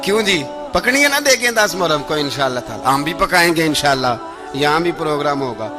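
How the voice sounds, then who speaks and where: Music plays in the background as a man speaks. His voice is fairly high, with lively intonation. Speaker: Islamic preacher giving a sermon. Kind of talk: Islamic sermon (bayan) delivered to a live audience.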